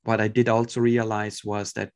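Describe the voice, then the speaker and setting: A man's voice: lowish voice, little pitch movement, moderate pace. A man from Switzerland with a Swiss accent, speaking as a guest in a podcast interview, enthusiastic and thoughtful, with many fillers and restarts.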